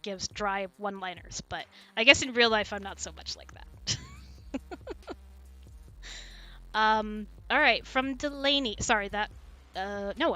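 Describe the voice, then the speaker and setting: A woman's voice: mid-range voice, bright, forceful tone. A woman hosting a cast chat, giggling often and reading out audience questions. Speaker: host and director. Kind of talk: casual chat.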